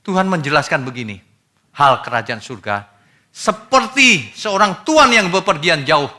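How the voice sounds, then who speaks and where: A man preaching a sermon as a pastor, talking casually and addressing the congregation directly, with loud emphatic bursts that drop to quiet asides. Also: fairly high pitch, sing-song, measured pace.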